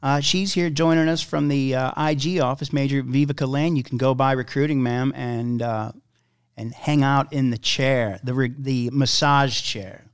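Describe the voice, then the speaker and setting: Smooth-voiced young male host. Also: mid-range voice, fairly even intonation, normal speed, dry recording, clean studio sound. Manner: friendly, informal, hesitant fillers. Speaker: podcast host, interviewer. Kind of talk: casual interview chat.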